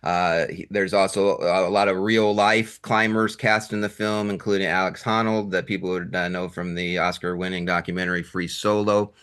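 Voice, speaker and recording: Clear-voiced man hosting an interview. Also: deep voice, fairly even intonation, normal speed, hardly any pauses, fairly bright tone. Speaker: interviewer, show host. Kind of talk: conversational film interview.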